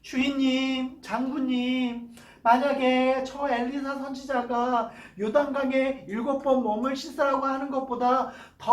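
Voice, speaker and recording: A storyteller doing a gentle, pleading servant. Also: sits high. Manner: soft, coaxing, respectful. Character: loyal pleading servant of the general. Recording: roomy hall, voice from a distance.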